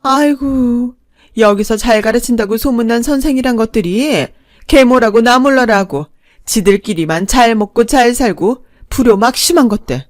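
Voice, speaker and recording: A woman voicing a shameless, scheming older stepmother-in-law in a told story, loud and scolding. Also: fairly high pitch, unhurried, dry recording, clean studio sound, pitched above the performer's own voice, natural voice. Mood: wailing. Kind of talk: storytelling with acted dialogue.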